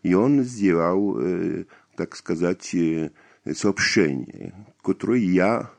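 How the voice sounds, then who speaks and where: A man's voice: low voice, takes it slowly, gravelly, darkish tone. A man in his fifties, a native Polish speaker with a Polish accent, answering interview questions hesitantly with many fillers and restarts. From Poland. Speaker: interview guest, writer.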